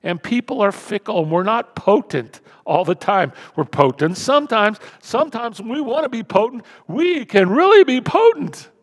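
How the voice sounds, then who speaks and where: A male pastor preaching a sermon to his church, animated and repetitive, swinging from loud emphasis to hushed tones. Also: high-pitched, moderate pace, few pauses. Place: church sanctuary. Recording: reverberant church hall.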